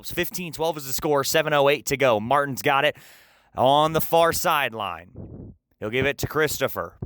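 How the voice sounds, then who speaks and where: Young male sportscaster, bright forceful voice. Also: mid-range voice, no echo. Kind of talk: interview questions and radio basketball play-by-play.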